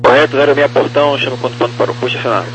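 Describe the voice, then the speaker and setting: A man working as an air traffic controller, reading procedural clearances over a crackly aviation radio. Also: mid-range voice, steady tone, rapid-fire, fairly bright tone.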